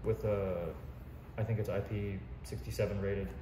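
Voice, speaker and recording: A man's speech carries audible room echo over light background noise. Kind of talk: tutorial. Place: home room. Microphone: camera far.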